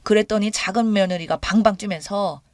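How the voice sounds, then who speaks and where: A woman's voice: medium pitch, a little fast, darkish tone, no echo, clean studio sound. An older woman narrating her own story in a dramatic, indignant way. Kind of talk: first-person story narration.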